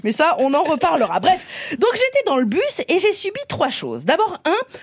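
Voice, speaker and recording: A young adult woman reading a humorous radio column with a lively, playful, emphatic delivery. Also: sits high, moderate pace, no room sound, clean studio sound. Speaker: comedy columnist.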